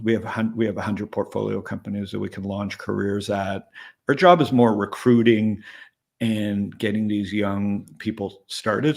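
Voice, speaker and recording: A man's voice: on the low side, creaky. A man in his late fifties, an investor giving a candid, rambling interview, often checking in with "right?". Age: 50s. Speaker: startup investor and interview guest. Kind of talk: casual interview conversation.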